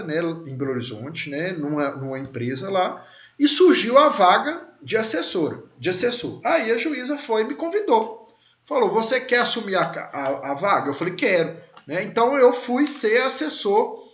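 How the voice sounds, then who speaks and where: High, lively man telling a story in class. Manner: chatty, many fillers, asks listeners questions. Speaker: law lecturer. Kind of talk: teaching through personal stories. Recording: echoey, dull lo-fi room sound.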